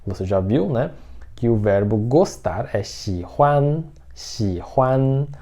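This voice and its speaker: Slow, patient male language teacher. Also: mid-range voice, expressive, warm tone. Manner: patient, repeats each word, frequent check-ins. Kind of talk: online language lesson.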